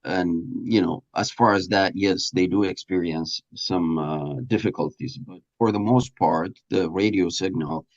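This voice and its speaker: A man with a low, creaky voice gives explanatory interview answers. He speaks haltingly, pausing often to find the next word. The audio is dull and lo-fi. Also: steady tone. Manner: halting, searching for words, many pauses. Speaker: radio station presenter and producer being interviewed.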